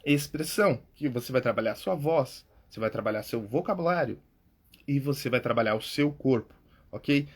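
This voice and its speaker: Husky Brazilian man coaching casually. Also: mid-range voice, normal speed. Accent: Brazilian Portuguese. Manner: informal, often says "cara" and "tá?". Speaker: public speaking coach, podcast host.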